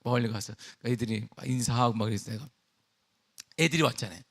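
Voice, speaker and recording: A middle-aged man preaching a sermon as pastor, emphatic with call-and-response questions, then easing into a relaxed personal story. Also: medium pitch, quick pace. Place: church sanctuary.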